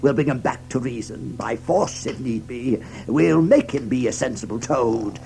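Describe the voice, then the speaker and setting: An actor playing a kindly, hearty older badger in a children's audio story, hesitant and repeating himself in a gravelly voice. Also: male voice, medium pitch, moderate pace, mellow, soft background music, close to an everyday voice. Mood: resolute.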